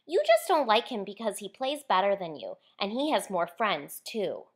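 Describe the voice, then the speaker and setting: An outspoken young boy from a picture book, acted out by a woman reader. He talks bluntly and cheerily, with animated, jumping pitch. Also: moderate pace. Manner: barking, blunt.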